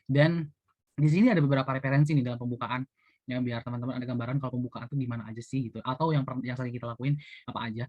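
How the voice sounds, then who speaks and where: A young man rattles through a casual classroom-style explanation, quick and chatty, dropping fillers as he goes. The sound is dry and dull, like a lo-fi recording. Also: mid-range voice, fairly even intonation, dry recording. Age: young adult. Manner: chatty, many fillers like gitu and eee. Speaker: university student presenting.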